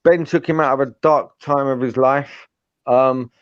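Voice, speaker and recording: A man speaking on a remote call as a guest panelist, his audio cutting out in a buffering stutter while he talks haltingly with many fillers. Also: medium pitch, steady tone, clean tone, no room sound. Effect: choppy call connection cutting out, buffering stutter. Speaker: guest panelist on a boxing talk show. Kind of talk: casual remote chat. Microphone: remote video call. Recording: dull lo-fi online call audio.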